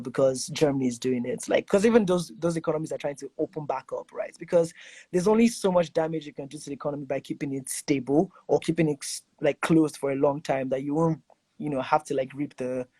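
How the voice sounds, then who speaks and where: A man's voice: fairly high pitch, warm tone, slightly rough, dry recording. A man in his twenties from Nigeria, hosting a casual podcast chat and rambling with lots of "like" and "you know". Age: 20s. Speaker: podcast host. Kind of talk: casual conversation.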